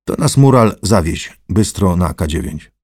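A man's voice: sits low, animated, measured pace, darkish tone, breathy edge, no echo, clean studio sound, full character voice. A man voicing an arrogant, domineering middle-aged man who gives orders in a haughty, sardonic way. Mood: commanding.

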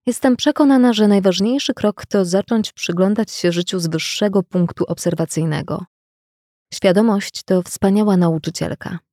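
A woman giving a measured, reflective reading of scripted self-help narration. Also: mid-range voice, mellow, no room sound, studio quality.

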